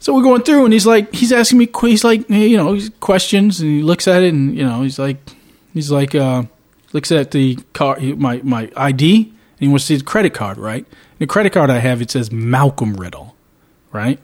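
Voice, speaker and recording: A man's voice: on the high side, animated, normal speed, darkish tone. A man co-hosting a podcast, telling a long story in casual chat, often repeating and restarting words as he retells what happened. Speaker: podcast co-host.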